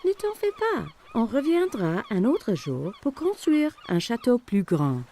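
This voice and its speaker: High, lilting cartoon mother. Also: sing-song, unhurried, mellow, exaggerated voice. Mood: reassuring. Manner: soothing, encouraging. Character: patient, gentle, reassuring young mother. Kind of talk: French children's cartoon dub.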